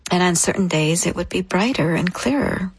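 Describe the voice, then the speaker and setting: Woman in her thirties, interview guest; earnest, reflective storyteller, slightly low and husky, close dry mic. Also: expressive, normal speed, no room sound. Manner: earnest, reflective, speaks in short phrases.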